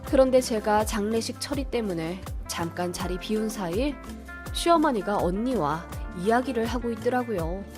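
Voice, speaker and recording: A woman narrating a true-life radio story in a steady confessional tone. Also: medium pitch, moderate pace, music in the background. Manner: steady confessional telling, acts her own outbursts.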